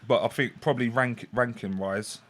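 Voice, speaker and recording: A man's voice: medium pitch, fairly even intonation, normal speed, a bit bright. A man co-hosting a casual film review chat, rambling and correcting himself as he goes. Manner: rambling, self-correcting, laughs a lot. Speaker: podcast co-host.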